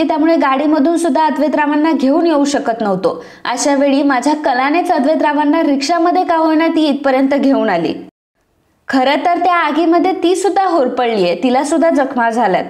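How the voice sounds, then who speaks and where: A woman's voice: sits high, a little mellow, roomy sound, lightly acted. A woman doing a humble pleading old father. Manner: pleading, respectful. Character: humble older father pleading for his daughter.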